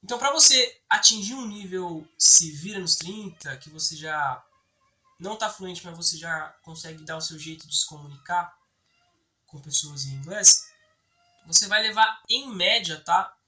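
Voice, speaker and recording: A man's voice: high voice, normal speed, bright, forceful tone. A man with a Brazilian Portuguese accent, explaining in a chatty way for an English-learning video and often checking in with the viewer. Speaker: English teaching YouTuber.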